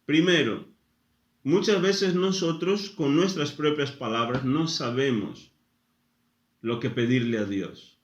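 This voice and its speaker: A man preaching a sermon, speaking in short phrases with frequent pauses. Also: mid-range voice, reverberant, muffled recording. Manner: slow, deliberate, pausing after short phrases. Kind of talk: sermon teaching.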